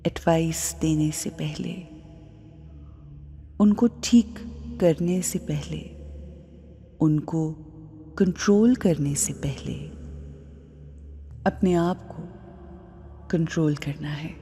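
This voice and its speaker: A woman guides a meditation in a low, mellow voice. She speaks extremely slowly and leaves long pauses between short phrases. Her voice carries a long reverb, with music playing underneath.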